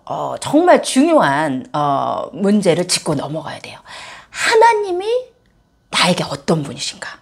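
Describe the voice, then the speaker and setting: A woman pastor giving a church sermon, animated and joking, speaking directly to her congregation. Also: medium pitch, slightly rough. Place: church service.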